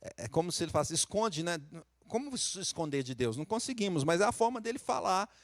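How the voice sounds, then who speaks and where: A man's voice: high-pitched, very animated, fast, no echo. Brazilian pastor, middle-aged man, Minas Gerais accent; chatty sermon delivery that climbs to emphatic peaks; dry, close recording. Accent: Brazilian Portuguese, Minas Gerais. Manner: conversational preaching, rising to emphatic peaks.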